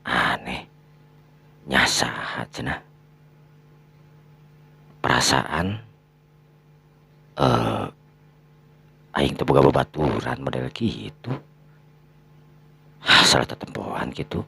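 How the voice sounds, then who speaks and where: Man acting a meek, low-voiced Sundanese young husband. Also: slow, gravelly, pauses often, husky, exaggerated voice. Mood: puzzled, muttering. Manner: hesitant, soft-spoken, deferential. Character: meek, quiet, poor young husband, polite and hesitant.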